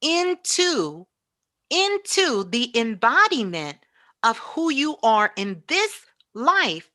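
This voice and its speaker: A woman with a bright, forceful voice speaks as a spiritual teacher. Her delivery is motivational and emphatic, preaching her points and driving them home with repetition. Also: fairly high pitch, sing-song, takes it slowly. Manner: emphatic, preaching, with repeated phrases.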